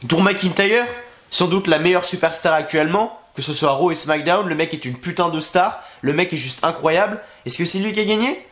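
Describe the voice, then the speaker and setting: A man's voice: high-pitched, fairly bright tone, roomy sound. A young man with the flu, congested and worn out, ranting crudely and sarcastically to the camera in a wrestling review. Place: at home, in a bedroom. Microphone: camera facing him.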